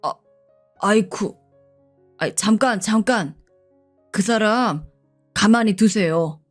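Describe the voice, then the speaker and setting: A woman's voice: medium pitch, slow pace. A woman voicing an older male company chairman who speaks in a commanding yet familiar way, over faint background music.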